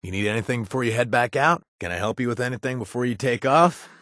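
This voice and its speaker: An actor voicing a gentle, awkward ex-raider companion in a video game, talking haltingly with many fillers and restarts. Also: male voice, mid-range voice, no room sound, clean studio sound, close to an everyday voice. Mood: friendly. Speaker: companion character.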